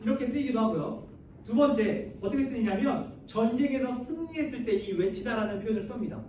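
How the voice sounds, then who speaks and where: A man with a very high voice preaches to teenagers and keeps turning to his listeners with questions. His voice rings through a large, booming church hall and sounds far from the microphone. A faint hiss sits behind him. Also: fairly quick, a little mellow. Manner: addresses the listeners often and asks them questions; leads the congregation in reading scripture aloud. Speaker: youth pastor. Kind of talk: sermon to high school students. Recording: very echoey hall, voice heard from afar, faint noise.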